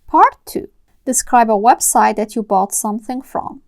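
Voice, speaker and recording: A woman acting as speaking-test examiner, reading out each question plainly and at a measured pace. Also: fairly high pitch.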